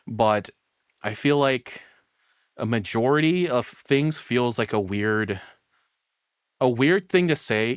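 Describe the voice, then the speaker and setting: Guy doing sweary sarcastic reaction commentary, super animated pitch, dry sound w no room echo. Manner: sarcastic, profane. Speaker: reaction streamer. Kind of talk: casual off-the-cuff reaction commentary.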